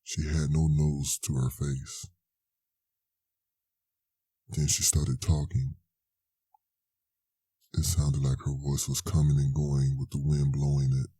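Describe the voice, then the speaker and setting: Extremely deep, dark-voiced male storyteller. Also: level tone, breathy edge, no room sound, clean studio sound. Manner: deliberate, suspenseful. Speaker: horror story narrator. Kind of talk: scripted dramatic narration of a scary story.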